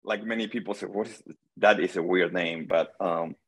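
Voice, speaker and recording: A low-pitched, husky voice belongs to this middle-aged Argentine man, a senior pro pickleball player appearing as a guest on a casual video call. He sits in a small room at home, heard through a laptop webcam. He tells stories unhurriedly, pausing a lot, saying "um," and talking with his hands.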